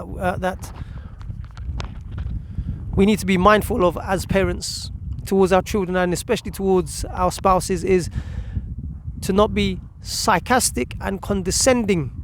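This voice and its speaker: Guy with a high voice doing parenting advice, emphatic with pauses, bit of noise behind him. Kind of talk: informal motivational advice talk to listeners.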